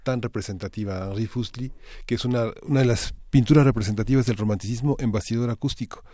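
A man's voice: mid-range voice, fast talker, warm tone, no room sound, studio quality. A man co-hosting a radio show who explains ideas at length, often restarting his sentences. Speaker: radio co-host. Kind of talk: radio chat.

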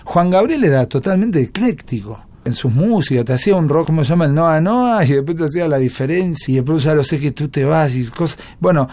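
A man's voice: on the high side, lively intonation, brisk, dark tone. A man with an Argentine accent, a musician guest telling stories in a chatty, reflective way. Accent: Argentine Spanish. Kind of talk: casual interview talk.

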